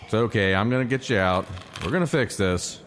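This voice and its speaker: Actor as a deep-voiced, haunted stranded castaway man. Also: expressive, fairly quick, noisy background, natural voice. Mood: reassuring. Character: long-stranded lonely male castaway, protective, haunted. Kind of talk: audio drama acting.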